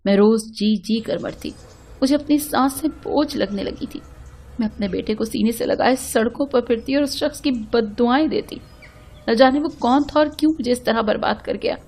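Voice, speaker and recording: A woman's voice: fairly high pitch, normal speed, a little mellow. A woman reading a sad first-person story aloud in an earnest, emotional manner.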